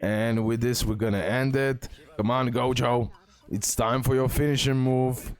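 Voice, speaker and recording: A man giving casual, excitable gameplay commentary, repeating words and talking straight to his viewers. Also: mid-range voice, measured pace, clear, resonant tone. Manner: excitable, repetitive, addresses viewers directly. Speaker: gaming content creator, host. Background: music.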